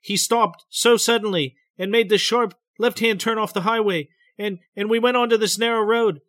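A man voicing a frightened woman who relives a memory under hypnosis, speaking between sobs in a halting, stammering, breathless way. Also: sits high, fairly bright tone, no echo, pitched above the performer's own voice. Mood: trembling. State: sobbing.

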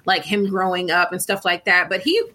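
A woman in her thirties chatting as a podcast guest, telling stories with lively quoted asides and frequent laughs. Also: fairly low pitch, normal speed. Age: 30s. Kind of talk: casual chat.

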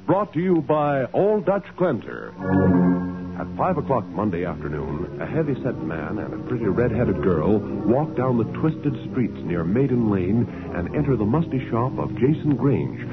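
A man's voice: mid-range voice, very animated, normal speed. A man announcing and narrating a radio show in dramatic, scripted 1940s style. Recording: narrow-band old radio with loud music. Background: loud music.

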